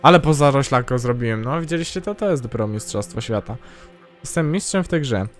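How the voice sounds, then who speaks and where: A man's voice: mid-range voice, animated, a little fast. A man hosting his gaming channel, giving casual let's-play commentary in a chatty, self-mocking way and talking to himself as he plays.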